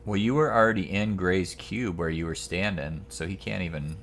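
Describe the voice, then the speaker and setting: A man's voice: low voice, moderate pace, a bit bright. A man playing a tabletop role-playing game, talking casually about his moves and rolls. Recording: faint background noise.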